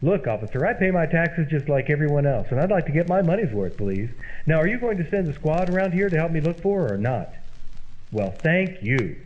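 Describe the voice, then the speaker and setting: A man playing an exasperated, bossy flatmate in an old-time radio comedy, sarcastic and blustering. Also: on the high side, fairly quick. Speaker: comedy double-act performer. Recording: dull old-time radio sound, faint hiss.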